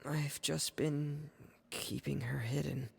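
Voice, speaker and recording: A man's voice: on the high side, fairly even intonation, slow pace, gravelly, husky, full character voice. A man voicing a shy, withdrawn, hesitant teenage boy in an anime-style game. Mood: guarded. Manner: hesitant, subdued.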